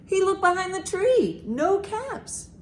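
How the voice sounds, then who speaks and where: This storytime host, a children's librarian, uses an extremely high-pitched voice with big swings as she reads expressively and asks the kids easy questions. Her pace is slow, and a faint hiss or hum runs under the audio.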